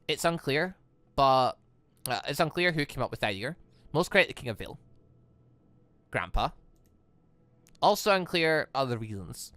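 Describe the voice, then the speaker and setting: A man's voice: mid-range voice, big pitch swings, fairly bright tone, no room sound. A man reading visual novel dialogue aloud as a gaming host, often stumbling and correcting himself. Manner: halting, stumbling over words and correcting himself.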